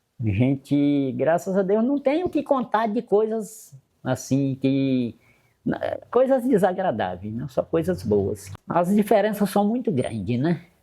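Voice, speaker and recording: Over a silent background in a very clean recording, a man speaks very slowly with a dark, mellow tone, his high pitch making very wide swings. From northern Goiás, Brazil. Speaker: longtime local resident. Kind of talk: oral history interview. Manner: halting.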